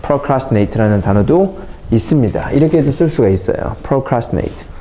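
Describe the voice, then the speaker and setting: This time the middle-aged vocabulary teacher speaks at a measured pace and medium pitch. He energetically explains English words in class, mixing in English phrases and calling his students kids. The room is echoey, with slight noise in the background.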